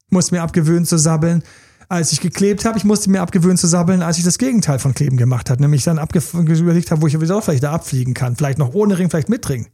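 A man's voice: fairly high pitch, fast, warm tone, slightly rough, no room sound, studio quality. A man giving relationship coaching in a podcast monologue, talking straight to his listeners in a direct, informal way.

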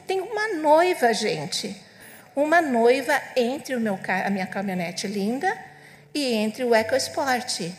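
Woman, higher voice, telling a dream, halting and vivid, echoey hall, long reverb. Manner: vivid storytelling, many fillers and restarts. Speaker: church member. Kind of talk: sharing a dream testimony. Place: church meeting room.

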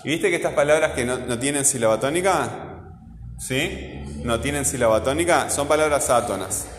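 A man teaching a class, slowly sounding out words syllable by syllable as he corrects the lesson. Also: medium pitch, slight background noise. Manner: slow, deliberate, drawn-out syllables when sounding out words. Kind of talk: correcting a grammar lesson with students. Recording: echoey classroom with long reverb.

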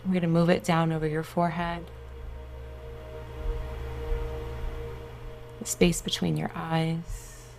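Woman doing a slow soothing guided meditation, low voice, creaky, gentle and unhurried. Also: level tone, slight background noise.

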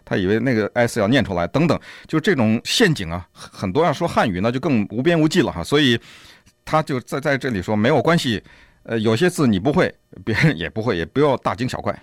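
A male radio co-host talks quickly, with a lively, wide-ranging pitch. He explains things through example after example and sounds relaxed and chatty. The studio sound is close and dry. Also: no room sound. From China. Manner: explains with many examples, chuckles at language traps. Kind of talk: casual radio discussion.

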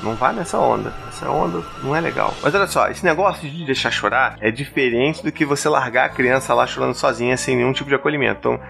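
A man with a Brazilian accent giving casual parenting advice to camera, animated and talkative, leaping up in pitch when he acts out a parent. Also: fast, gravelly, few pauses, music in the background. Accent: Brazilian Portuguese. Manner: animated, jumps high when quoting a parent. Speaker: parenting vlogger, father.

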